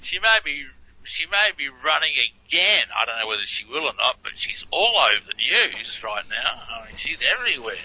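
Husky-voiced male radio guest, chatty. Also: mid-range voice, sing-song, normal speed, sharp tone. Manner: chatty, chuckles often, exclaims in surprise. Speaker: guest, researcher of reversed speech. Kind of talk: radio interview. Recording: muffled lo-fi audio.

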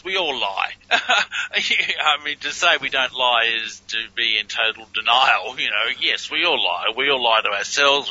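Male radio guest: bright, husky voice, talks chattily and exclaims often, muffled lo-fi audio. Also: medium pitch, no echo. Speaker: guest, researcher of reversed speech. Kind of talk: radio interview.

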